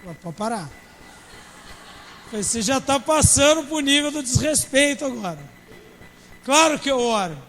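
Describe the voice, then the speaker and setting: High-voiced pastor preaching. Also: male voice, fairly bright tone, big-room sound, slight background noise, poor audio. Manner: humorous, acts out church members in dialogue. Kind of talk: sermon. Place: church service.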